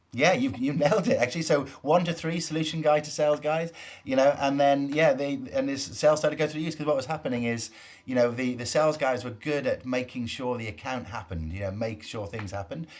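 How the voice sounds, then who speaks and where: The speaker talks at a very fast pace with a British accent. Pitch variation is ordinary. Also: man, fairly high pitch for a man. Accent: non-US accent, British. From UK. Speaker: startup CEO. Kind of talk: interview. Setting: video call.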